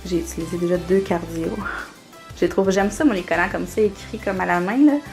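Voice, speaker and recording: A woman's voice: fairly low pitch, fairly quick, soft background music. Chatty Québécois woman showing her planner. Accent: Québécois French. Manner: chatty, many fillers, laughs often. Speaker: planner vlogger. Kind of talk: casual show-and-tell.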